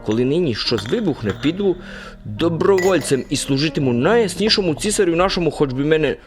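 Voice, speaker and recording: An actor playing a good-natured, simple-minded soldier who rambles naively and confidently in a radio play. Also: male voice, a little high, lively intonation, a little fast, close to an everyday voice. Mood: rambling, chatty. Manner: rambling, naive tavern philosophizing with confident pronouncements. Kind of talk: radio play character acting. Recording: music under the voice.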